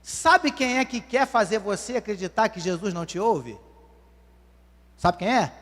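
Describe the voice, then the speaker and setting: A man's voice: high-pitched, animated, unhurried, fairly bright tone. A man, preaching a sermon and questioning the congregation as "dear ones". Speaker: pastor. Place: church hall. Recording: long church hall reverb.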